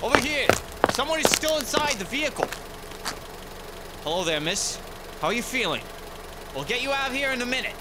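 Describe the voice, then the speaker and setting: An actor playing a calm emergency rescuer in an audio drama, asking questions in a reassuring way. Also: male voice, very high voice, brisk, long pauses, very noisy. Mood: urgent. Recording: loud idling vehicle engine behind.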